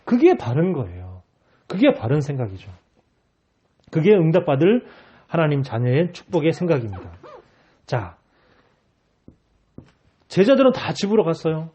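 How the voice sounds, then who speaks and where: Emphatic man preaching, lively pitch. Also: normal speed, pauses often, husky, highs cut off. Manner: emphatic preaching with rhetorical questions. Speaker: pastor. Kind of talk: sermon.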